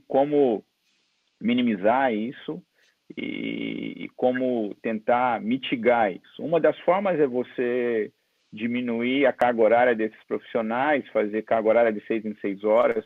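A man's voice: mid-range voice, moderate pace, creaky, dry recording. A man with a Brazilian Portuguese accent giving a conversational, explanatory online lecture as a guest expert, on slightly dull call audio. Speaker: guest medical expert and presenter.

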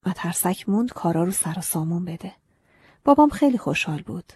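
Hushed, breathy woman narrating. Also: fairly low pitch, animated, dry recording. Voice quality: breathy, half-whispered. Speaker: audiobook narrator. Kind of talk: scripted first-person narration.

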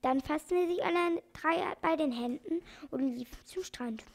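A woman reading a children's book aloud, telling it in a calm, clear storytelling way. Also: high-pitched, moderate pace.

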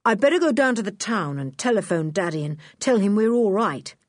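A woman's voice: mid-range voice, animated, brisk, dry recording, clean studio sound, natural voice. A woman voicing a sensible, well-spoken schoolboy who talks politely and earnestly. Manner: polite, earnest, proper English phrasing.

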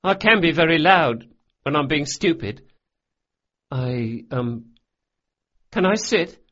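Man putting on a high, loud young boy, eager and apologetic, quick and stumbling; storybook reading, slightly dull recording. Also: expressive, heavily acted. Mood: earnest. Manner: quick, earnest, stumbling speech.

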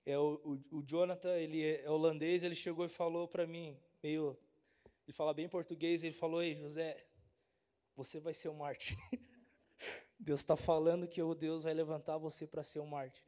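A man's voice: a little high, little pitch movement, normal speed, warm tone, clean tone. A young man from Brazil, a pastor giving a casual, slangy youth sermon and often asking the crowd if they understand.

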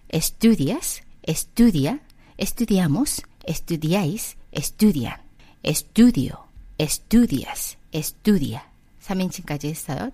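Woman teacher doing slow verb drills, patient, voice goes up and down a lot. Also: medium pitch, mellow. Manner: patient, repeats conjugations slowly for listeners to follow. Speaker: Spanish language teacher. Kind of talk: slow drilled language lesson.

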